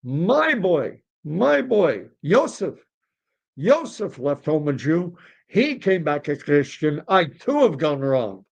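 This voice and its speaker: A man's voice: a little high, big pitch swings, slow pace, gravelly, lo-fi sound, exaggerated voice. A man playing fretful old Jewish fathers in a joke, exclaiming and repeating themselves in dramatic lament. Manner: exclaiming, repetitive, demonstrative.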